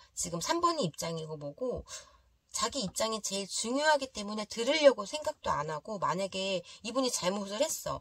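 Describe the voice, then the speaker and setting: The speech moves at a moderate pace with an animated tone, and noticeable background noise sits behind it. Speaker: tarot reader. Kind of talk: tarot reading monologue.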